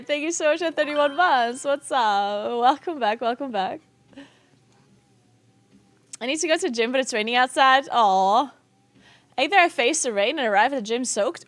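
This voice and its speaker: High-pitched woman with South Tyrolean accent. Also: fairly bright tone, dry recording. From South Tyrol, Italy. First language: not English. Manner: giggly, laughs often while talking. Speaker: game streamer and esports caster. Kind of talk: casual livestream chat.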